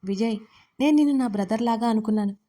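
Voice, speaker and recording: A woman voicing a fierce yet loving young wife who scolds sharply and presses hard, in a mellow voice. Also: fairly high pitch, quick pace, close to an everyday voice. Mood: probing. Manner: sharp scolding, then pleading.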